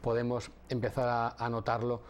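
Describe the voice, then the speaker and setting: A middle-aged audiologist from Catalonia, Spain, appears as a guest on a TV talk show, speaking at an ordinary middle pitch with a completely flat delivery. He explains things in a measured, patient way and sometimes restarts a phrase.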